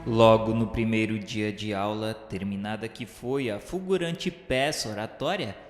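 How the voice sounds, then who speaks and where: An actor with a Brazilian accent playing a solemn male spirit narrator in a radio drama, speaking in formal, measured, declamatory literary phrases. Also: on the low side, close to an everyday voice. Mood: grave, sorrowful. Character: solemn male spirit recounting his afterlife studies and remorse. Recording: echoey hall reverb under music. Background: background music.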